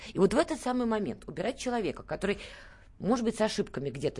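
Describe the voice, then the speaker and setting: A very fast pace against a quiet background. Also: woman. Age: young. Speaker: political analyst. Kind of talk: radio panel discussion. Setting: radio studio.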